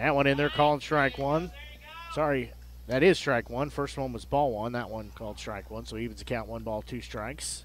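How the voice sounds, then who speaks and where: A man's relaxed voice at a moderate pace, with big swings in loudness and noticeable background noise. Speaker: play-by-play baseball announcer. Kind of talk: live baseball play-by-play commentary mixed with in-booth interview. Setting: broadcast booth at ballpark. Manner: steady, relaxed pitch-by-pitch calling with frequent filler 'uh's; conversational, friendly interviewer between pitches.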